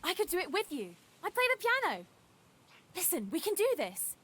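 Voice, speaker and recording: A woman's voice: high-pitched, big pitch swings, a little fast, a bit bright. An actress playing an earnest, encouraging young woman in a video game, a pianist with a haunted past. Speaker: game character.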